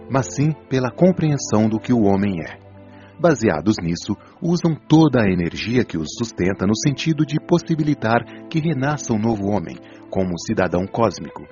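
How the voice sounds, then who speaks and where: Male actor for wise spirit mentor in audio drama; deep-leaning, didactic, patient; lo-fi sound with music behind. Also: darkish tone, natural voice. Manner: didactic, measured, solemn explanation. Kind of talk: audiobook radio drama acting. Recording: dull lo-fi audio over music.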